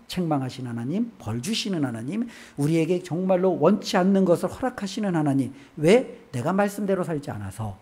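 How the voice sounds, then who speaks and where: A man's voice: high-pitched, mellow, breathy edge. A male pastor preaching a sermon in a church, delivering emphatic points with frequent rhetorical questions. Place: church sanctuary.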